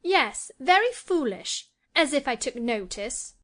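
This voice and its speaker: A spoiled, peevish teenage girl speaks petulantly, as a woman reader puts her on. Her voice sits high and swoops about, full of lively changes in pitch. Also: moderate pace.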